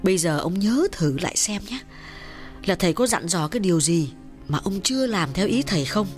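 A man voicing a sleepy, nagging middle-aged wife who scolds her husband in a quick, exasperated way. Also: high voice, animated, faint music behind, pitched above the performer's own voice. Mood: coaxing. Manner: scolding, chiding, rapid exasperated.

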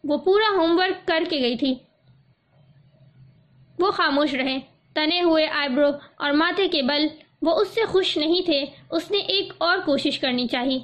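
A woman narrating a novel aloud in a steady storytelling manner. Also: high voice. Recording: slightly dull audio.

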